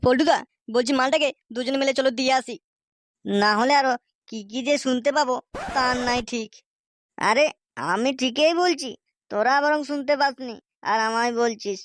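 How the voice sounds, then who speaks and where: A woman's voice: high-pitched, moderate pace, pauses often, no room sound, clean studio sound, natural voice. A woman voicing a tipsy, boastful young man who banters in slang in a comic cartoon. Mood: tipsy, insistent. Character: tipsy young male drinking buddy, cheeky and boastful.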